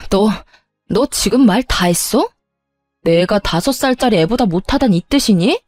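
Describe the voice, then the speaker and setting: A woman's voice: mid-range voice, lively intonation, unhurried, a little mellow, dry recording, soft background music. A woman voicing a spoiled, entitled sister-in-law who bickers indignantly in a dramatized story.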